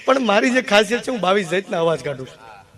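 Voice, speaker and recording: A man's voice: high-pitched, fast talker, faint music behind. A young man telling folk comedy stories on stage, slipping into character voices. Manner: lively storytelling, jumping between character voices. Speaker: comedian and mimic.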